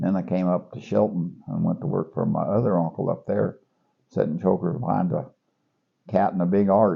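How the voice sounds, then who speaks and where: Vocal fry runs through this man's very deep, low voice. He keeps a moderate pace with ordinary pitch variation. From Arkansas. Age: 80s+. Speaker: retired logger. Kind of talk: interview.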